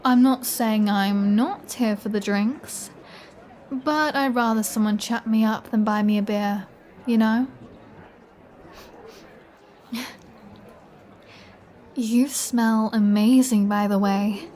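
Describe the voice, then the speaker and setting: A woman's voice: fairly high pitch, steady tone, darkish tone. A woman playing a flirty, playful vampire who teases in a chatty, self-assured way, as in an intimate roleplay audio. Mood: teasing flirty. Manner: teasing, chatty, unhurried.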